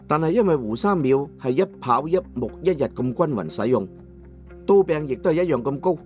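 Higher-voiced Cantonese male audiobook narrator. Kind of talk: dramatized first-person novel narration.

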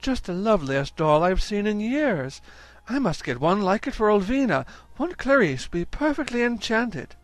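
A man's voice: high voice, big pitch swings, moderate pace, no echo, pitched above the performer's own voice. A man voicing a gushing, fussy society wife in a read-aloud story.

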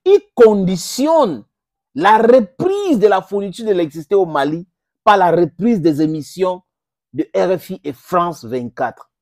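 A man's voice: very animated, measured pace, darkish tone, no room sound. Middle-aged guy ranting to camera, english his first language, voice leaps up when he stresses stuff, dry lapel-mic sound. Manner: impassioned, gesturing, addresses viewers as friends, pitch jumps for emphasis. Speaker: political commentator. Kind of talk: direct-to-camera political commentary. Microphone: clip-on lapel mic.

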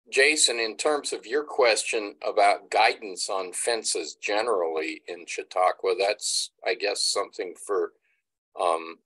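An older man speaking in a halting, thoughtful way with frequent ums, commenting at a public meeting on a video call from home. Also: fairly low pitch, a bit bright, low-quality recording. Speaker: board member. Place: home room, indoors.

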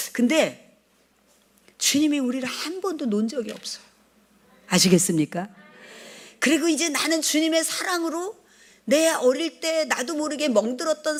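A middle-aged woman pastor preaching a sermon, telling stories with lively acted-out dialogue and questions to the congregation. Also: high-pitched. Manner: lively storytelling, acting out dialogue, asking the congregation.

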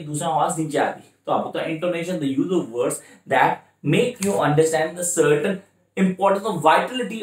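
A man tutoring students for an exam, switching between Hindi and English with an Indian accent and repeating his points step by step. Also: on the high side. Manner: repetitive, coaching, slows right down for English phrases. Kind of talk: exam-prep lecture in mixed Hindi and English. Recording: echoey room.

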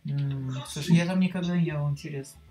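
A man's voice: a little high, steady tone, fairly quick, mellow, soft background music. A man in his twenties casually chatting with strangers in a video chat from his bedroom. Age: 20s. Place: bedroom, indoors.

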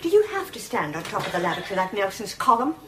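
A woman's voice: mid-range voice, very animated, fast talker, lightly acted. A middle-aged actress playing a long-suffering wife who scolds her husband with exasperated sarcasm in a sitcom. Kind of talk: sitcom acting. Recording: noisy old TV broadcast audio.

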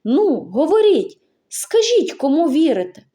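A woman voicing a desperate young male student who pleads loudly and insistently, in an audiobook reading. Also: sits high, sing-song, measured pace, pitched above the performer's own voice.

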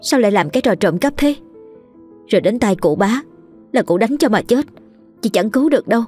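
A kind young mistress , voiced by a woman speaks with gentle firmness in a slightly raised voice. Soft music runs quietly beneath her. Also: on the low side, normal speed, lightly acted. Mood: gentle firm. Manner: scolding then gentle.

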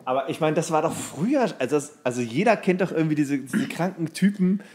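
A man's voice: on the high side, animated, quick pace, a little mellow, slightly rough. Casual joking man, colloquial podcast chat. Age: over 21, adult. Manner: colloquial, joking, guessing aloud. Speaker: podcast co-host.

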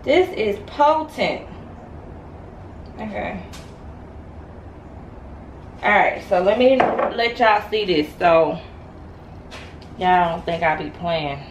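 Slow-talking chatty woman in her twenties. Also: medium pitch, a little hiss or hum, low-quality recording. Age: 20s. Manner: chatty, unfiltered, talks straight to viewers. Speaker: vlogger. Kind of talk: casual vlog rant to camera. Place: home kitchen, then parked car. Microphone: handheld phone camera.

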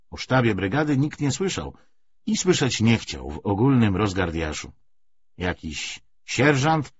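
A man narrating a literary audiobook in an expressive, scripted reading style. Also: fairly low pitch, breathy edge, lo-fi sound.

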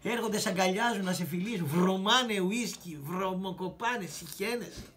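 An older man telling a personal story as a show host, swearing freely and acting out quarrels in sharp bursts. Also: sits high. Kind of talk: angry storytelling monologue.

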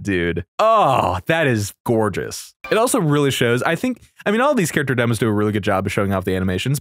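A young man giving casual, excited reaction commentary, gushing in slangy, lightly sweary speech. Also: mid-range voice, a little hiss or hum. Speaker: video creator reacting to game trailers.

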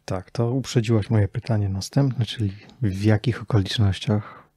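A man's voice: on the low side, fairly even intonation, moderate pace, warm tone, husky, no echo. A man hosting a podcast, putting questions to his guest in a conversational style. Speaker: podcast host, interviewer. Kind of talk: conversational interviewing.

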